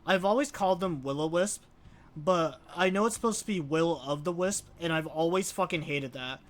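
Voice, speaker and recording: Opinionated male streamer, slightly high voice. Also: moderate pace. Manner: informal, opinionated, swears. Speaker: let's play streamer. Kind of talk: casual game commentary.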